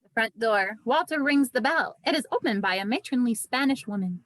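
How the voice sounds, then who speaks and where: Female narrator for script directions, fairly high pitch, dry recording. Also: lively intonation, a little fast, no room sound. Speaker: narrator reading stage directions.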